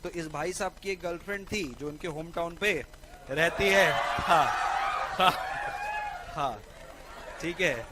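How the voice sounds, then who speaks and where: A young man teaching law in a lecture, telling a personal story in a lively way and often asking his listeners whether they agree. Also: fairly high pitch, unhurried, pauses often, heavy background noise. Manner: lively, keeps asking "right or not?". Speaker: law tutor.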